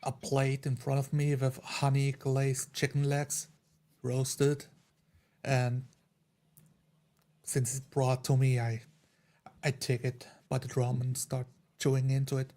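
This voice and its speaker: Male roleplay gamer, middle pitch, unhurried first-person narration in halting fragments. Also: completely flat delivery, mellow. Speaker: tabletop game player. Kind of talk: first-person description of character actions.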